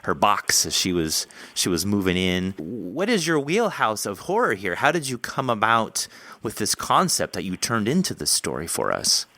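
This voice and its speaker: A man's voice: lowish voice, huge pitch swings, normal speed, sharp tone, no room sound. A man hosting a podcast interview in a conversational, effusive and wordy manner.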